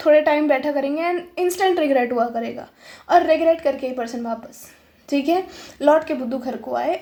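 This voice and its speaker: A woman's voice: high-pitched, darkish tone. A woman giving a pick-a-pile tarot reading. She switches between Hindi and English and keeps adding "ठीक है". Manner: mixes Hindi and English, often adds "ठीक है". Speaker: tarot reader. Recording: roomy echo.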